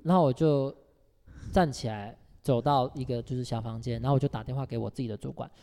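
A man co-hosting a casual podcast, telling a workplace story in an animated way and acting out the people in it. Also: mid-range voice, quick pace, long reverb tail. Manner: animated storytelling, acts out quoted boss with loud outbursts. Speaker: podcast co-host.

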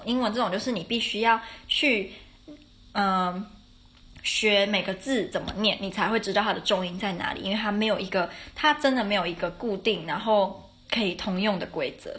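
A woman's voice: mid-range voice, fairly bright tone. A young adult woman, hosting a casual solo podcast in a chatty way, often correcting herself and laughing now and then. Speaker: podcast host. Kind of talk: casual solo podcast chat about her classes.

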